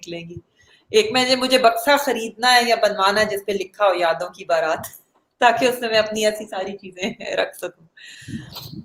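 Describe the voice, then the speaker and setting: A woman with an ordinary speaking voice, fairly high pitch and lively intonation. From Pakistan, Lahore. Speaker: journalist, news bureau chief. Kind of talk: casual interview.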